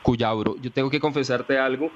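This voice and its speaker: A man's voice: mid-range voice, normal speed, a loud crowd. A man with a Colombian accent chatting casually as a podcast co-host. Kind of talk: casual interview chat. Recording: dull sound, faint noise.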